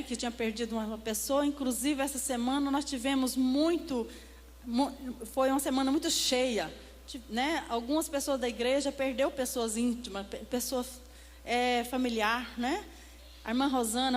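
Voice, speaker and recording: A woman's voice: high voice, long reverb tail, a little hiss or hum. A woman pastor preaching a sermon to her congregation, often calling out "amém?" and "né?" to them. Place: church.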